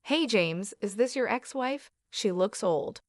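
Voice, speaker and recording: A woman puts on a spoiled young woman in her twenties in a storybook tale, catty and mocking with a shrill edge. The sound is dry and close, with no room around it. Her pitch sits in a middle range. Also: expressive, a little slow, no echo, lightly acted.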